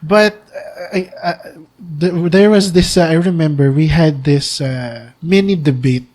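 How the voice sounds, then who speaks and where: A man from the Philippines co-hosting a podcast, explaining customs to listeners with many "uh" pauses. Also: fairly high pitch, a little mellow. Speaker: podcast co-host. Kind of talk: casual podcast chat.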